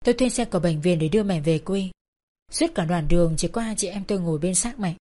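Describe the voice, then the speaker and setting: A woman's voice: fairly low pitch, fast talker, mellow. A woman narrating a first-person dramatic story in a sorrowful, emotional way.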